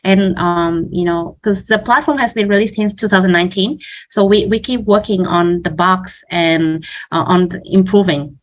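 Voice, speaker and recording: Lower-pitched woman, halting explainer. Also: low-quality recording. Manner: halting, often repeats words. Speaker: exam prep teacher, interview guest. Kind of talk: informal explanatory Q&A talk.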